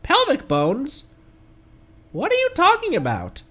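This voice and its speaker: A man voicing a tiny, excitable fairy companion who gets indignant, in a squeaky voice. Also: a little slow, full character voice. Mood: baffled.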